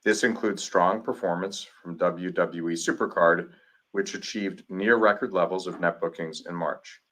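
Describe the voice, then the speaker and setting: A man speaking as a company executive, reading a scripted earnings presentation in a formal, measured manner. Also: low-pitched, fairly even intonation, pushed and bright. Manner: formal, measured prepared delivery.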